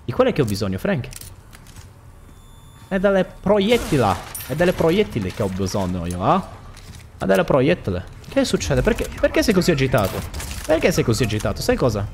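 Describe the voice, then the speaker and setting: A man's voice: fairly high pitch, huge pitch swings, fairly quick, darkish tone, slight background noise. A young man giving joking gameplay commentary and mocking the enemies on screen. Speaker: gaming YouTuber.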